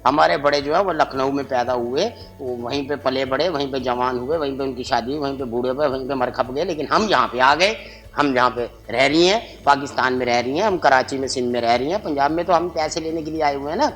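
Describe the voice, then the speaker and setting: An actor playing a boastful old paan-shop owner of Lucknow stock, rambling and comically evasive on a comedy talk show. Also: male voice, medium pitch, a bit bright, close to an everyday voice. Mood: wistful. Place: TV studio.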